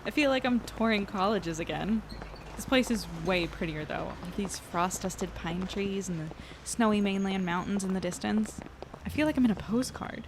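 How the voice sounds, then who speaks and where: A woman playing a friendly, wide-eyed young visitor in an audio drama, speaking in a casual, gentle, curious way. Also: medium pitch, normal speed, close to an everyday voice. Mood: admiring. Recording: clear background noise and ambience.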